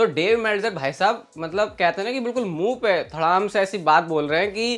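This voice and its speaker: Here a man is talking. His intonation is lively. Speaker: wrestling news YouTuber. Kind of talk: casual news commentary vlog. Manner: animated, conversational.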